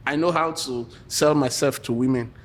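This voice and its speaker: A man's voice: medium pitch, normal speed. A man with a Nigerian accent, a podcast guest telling stories in casual chat, laughing often and repeating words as he starts.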